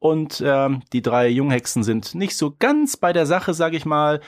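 A man's voice: a little high, lively intonation, unhurried, no room sound, clean studio sound. A man co-hosting a podcast in casual, colloquial chat, often tagging questions onto his remarks. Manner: colloquial, seeks agreement with tag questions. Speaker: podcast co-host. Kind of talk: casual chat reviewing a story.

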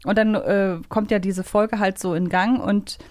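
A woman's voice: mid-range voice, fairly even intonation, measured pace, darkish tone, no room sound, clean studio sound. A woman hosting a podcast, chatting casually and enthusiastically, thinking aloud in long winding sentences. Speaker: podcast host. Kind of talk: casual fan chat and quiz banter.

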